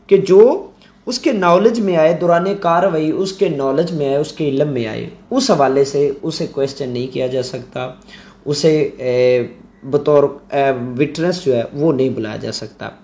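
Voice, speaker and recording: A man with a Pakistani accent, lecturing on law slowly and deliberately, reading English legal text aloud and then explaining each point in his own words. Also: on the high side, a little mellow, reverberant.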